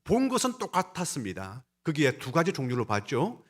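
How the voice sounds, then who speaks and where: A man's voice: on the high side, wildly swooping pitch, fairly quick. A male pastor preaching a sermon and speaking straight to his congregation, with an emphatic delivery that rises and falls. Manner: emphatic, rising and falling delivery; talks to the congregation directly.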